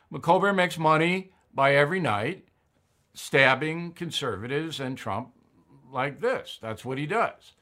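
Blunt, bright-voiced older male commentator. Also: on the high side. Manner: blunt, opinionated, emphatic. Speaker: commentary show host. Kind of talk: opinion commentary.

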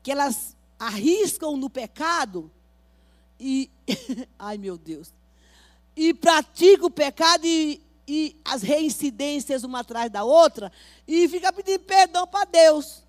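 A woman missionary, preaching a fervent sermon at a church service and moving between quiet storytelling and loud exhortation. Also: sits high, expressive, slow.

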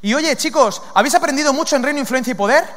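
A man from preaching a lively sermon, questioning his listeners and acting out lines from scripture. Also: extremely high pitch, very fast. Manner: lively, asks the audience questions, acts out demons' lines. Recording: long hall reverb.

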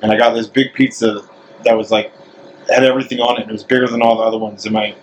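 A deep-voiced man rambling playfully. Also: level tone, fast talker, a little hiss or hum, poor audio. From American South. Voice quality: deep bass voice. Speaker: interview host. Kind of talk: casual chat.

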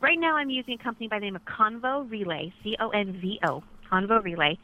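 A woman voices a caller as a live relay interpreter. Her delivery is conversational and explanatory, halting at times before flowing on. The sound is dull and lo-fi, as over a telephone. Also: medium pitch. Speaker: sign language relay interpreter voicing a caller. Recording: dull radio-like telephone line.

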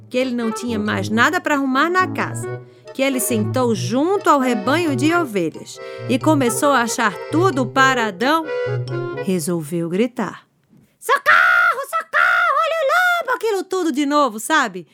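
A woman narrating a children's story in an animated, playful way. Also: high-pitched. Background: music.

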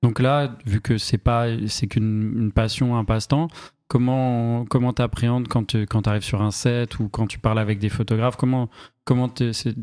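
A man co-hosting an interview, asking questions in a relaxed, casual way. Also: mid-range voice, normal speed. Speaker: podcast co-host, interviewer.

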